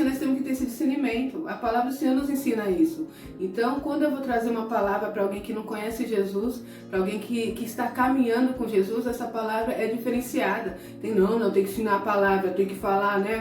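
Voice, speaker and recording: In an echoey room with soft guitar music, a middle-aged Brazilian evangelical preacher gives a sermon-style talk to her viewers, picked up on a distant mic. Her mellow voice sits fairly high, and she speaks to listeners directly and conversationally, emotional and sometimes close to tears.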